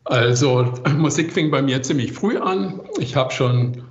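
Mature male interview guest, creaky mid-pitched voice, dull roomy sound. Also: expressive, measured pace. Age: middle-aged or older. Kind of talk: conversational autobiographical interview answers.

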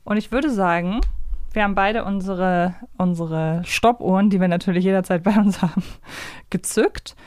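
A woman's voice: mid-range voice, normal speed, darkish tone, clear, resonant tone, no room sound, studio quality. A woman hosting a podcast, chatting casually and bantering through a quiz game. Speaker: podcast host.

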